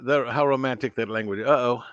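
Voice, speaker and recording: A man's voice: mid-range voice, fairly even intonation, a little fast, lo-fi sound, noisy background. A middle-aged man with an American accent, chatting casually as a livestream host and reading out comments. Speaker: livestream host, former law enforcement officer. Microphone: close microphone on a boom arm.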